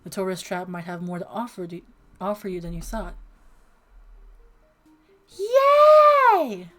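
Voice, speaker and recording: A woman livestreamer reading a dating sim aloud and chatting in an expressive, flustered, playfully dramatic way. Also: lowish voice, quick pace, loud music behind the voice. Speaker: streamer playing a dating sim. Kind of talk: livestream chat and game read-aloud.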